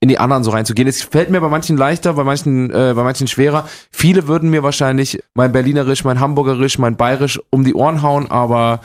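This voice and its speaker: A young man from Germany talking quickly as an interview guest, rambling with many restarts. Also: mid-range voice, steady tone. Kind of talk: casual interview chat.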